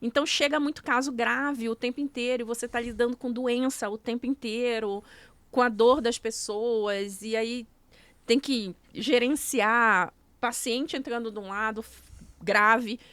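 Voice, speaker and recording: A woman's voice: on the high side, fairly even intonation, a little slow, fairly bright tone, smooth, dry recording. Woman explaining step by step. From Brazil. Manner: explanatory, walks through steps one by one. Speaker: guest, nutrition coach. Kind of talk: casual podcast interview.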